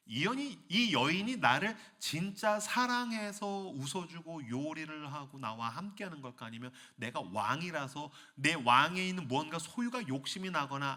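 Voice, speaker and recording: A man preaching to a young adults' retreat in a church hall, playful and acting out scenes. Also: a little high. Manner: animated, playful, acts out scenes. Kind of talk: sermon.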